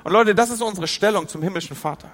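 A man preaching as a pastor, moving between loud outcries and quiet, intimate passages. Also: high-pitched, quick pace, long reverb tail. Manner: emotional, swings from loud outcries to hushed intimacy. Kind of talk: sermon.

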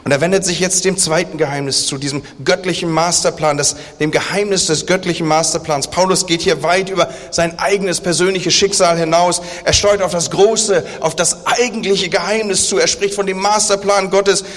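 Man, pastor, high voice, sermon in a church, long reverb, emphatic rhetorical questions. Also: fairly even intonation, normal speed, hardly any pauses. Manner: emphatic preacher, rhetorical questions, drops to quiet intensity. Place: church service.

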